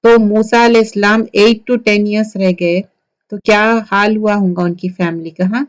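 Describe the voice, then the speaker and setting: A woman's voice: medium pitch, fairly even intonation. Woman teaching scripture in a storytelling way. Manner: storytelling, asks listeners rhetorical questions. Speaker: Quran teacher for women. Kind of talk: conversational Quran commentary lecture.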